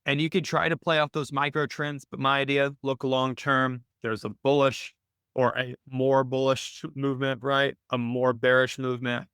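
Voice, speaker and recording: A man hosting a weekly live video call, chatting loosely and working through his points out loud, often tagging "right?" onto them. His voice is smooth and clear at an average pitch, and the sound is dry and close to the mic. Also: level tone, normal speed, no room sound. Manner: conversational, thinks aloud with restarts and "right?" tags. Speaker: host of a weekly trading call. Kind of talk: casual live Q&A explanation.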